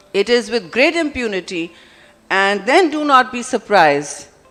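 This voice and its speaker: A fairly slow-paced female voice over noticeable background noise. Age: 60s. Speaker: politician. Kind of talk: conference speech. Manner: emphatic.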